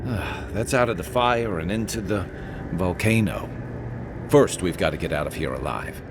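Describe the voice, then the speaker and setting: A man playing a gruff, wisecracking warrior companion in a fantasy game, dry in manner. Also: low-pitched, lively intonation, normal speed, background noise. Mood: wry, resolute. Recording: game audio with music behind.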